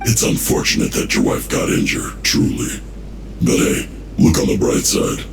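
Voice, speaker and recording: A man's voice: lively intonation, normal speed, exaggerated voice. A man voicing a smug, menacing villain agent in a video game, condescending and full of mock sympathy. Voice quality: very deep, gravelly. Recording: roomy echo, music behind.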